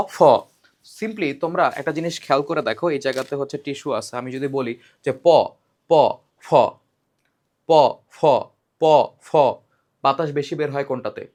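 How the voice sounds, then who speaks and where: A fast-talking male tutor with a fairly high voice. He drills students in an emphatic, colloquial way, throwing key answers back at them as quick questions. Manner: colloquial, addresses students directly. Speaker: teacher. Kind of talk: online exam-prep lesson.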